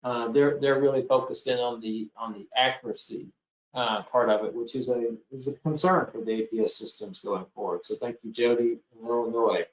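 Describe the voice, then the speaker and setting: Slow-talking man moderating in an echoey room. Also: mid-range voice, fairly even intonation. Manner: slow, deliberate, reads from chat. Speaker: meeting moderator. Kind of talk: moderating a virtual meeting. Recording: roomy, muffled call audio.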